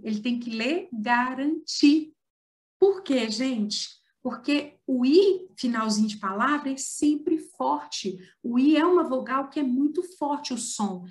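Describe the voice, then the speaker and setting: Brazilian female teacher, higher pitch, patient and explanatory, online class. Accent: Brazilian Portuguese. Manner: explains patiently, stretching example words slowly. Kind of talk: online writing lesson.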